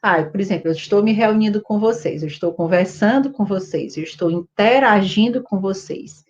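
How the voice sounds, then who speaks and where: A woman teaching parents about baby sleep in a casual talk to camera, pausing often on fillers and checking that listeners follow. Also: a little mellow. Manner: many hesitant fillers, rhetorical checks with listeners; sing-song high voice when soothing a baby. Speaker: infant sleep educator. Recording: dull lo-fi audio.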